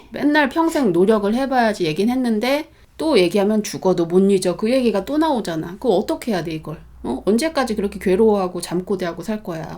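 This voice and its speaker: At a fairly quick pace, a woman with a medium-pitched, dark and mellow voice speaks with very wide pitch swings. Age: 40s. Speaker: mind-study channel host. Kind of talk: casual conversation with her mother.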